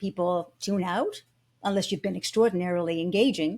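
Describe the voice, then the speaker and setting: The tone is dark and mellow, somewhat breathy. Pitch varies in an ordinary way at a moderate pace. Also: woman. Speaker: public speaking coach. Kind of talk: interview answer.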